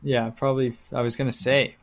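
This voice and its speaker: A man's voice: medium pitch, flat delivery, a little fast. A man co-hosting a podcast, chatting casually and jokingly in loose, informal language with some swearing. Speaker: podcast co-host. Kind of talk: casual comedic banter.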